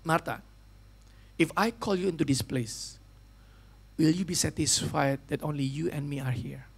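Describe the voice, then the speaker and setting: A hushed, tender spirit voice speaks slowly and low, with a gravelly edge, as a male preacher puts it on. It sounds softer and quieter than ordinary talk, close to a whisper at times. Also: exaggerated voice. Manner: slow, hushed and soft-spoken. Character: gentle, tender divine spirit voice.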